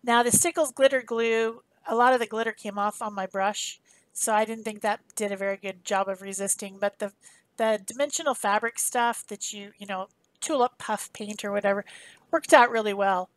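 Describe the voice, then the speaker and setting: Woman, craft tutorial host, casual voice-over, chatty and informal, medium pitch, dry recording. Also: fairly even intonation, moderate pace, no echo, low-quality recording. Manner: chatty, informal, self-correcting explanations.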